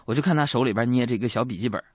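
A man's voice: medium pitch, rapid-fire, darkish tone, no room sound. A young man performing a stand-up comedy monologue, telling chatty stories with colloquial asides and self-mocking punchlines.

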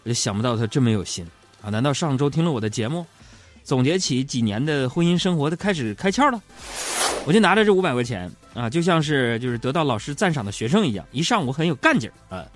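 A middle-aged man hosts a radio-style talk show, spinning funny stories about his married life. His mid-range voice is very animated and quick, with faint music behind it. He comes across as a joking, teasing, chatty storyteller in this humorous program.

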